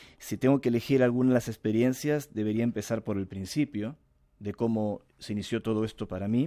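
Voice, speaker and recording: In a dark, mellow tone, a man talks with fairly even intonation. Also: medium pitch for a man, fairly quick pace, very clean recording, silent background. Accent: Lima. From Peru, Lima. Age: 40s. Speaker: author and UFO researcher. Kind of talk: interview.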